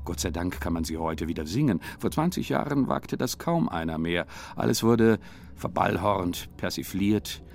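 A man narrating a written story in a measured, descriptive way. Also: sits low, animated, creaky.

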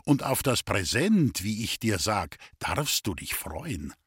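Ein Mann als hitziger, fluchender Blitzschwab. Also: male voice, on the low side, sing-song, slow pace, fairly bright tone, no room sound, clean studio sound, heavily acted. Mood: urging. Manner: gruff, cursing with dialect insults. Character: hot-tempered Swabian companion, scolding and blunt.

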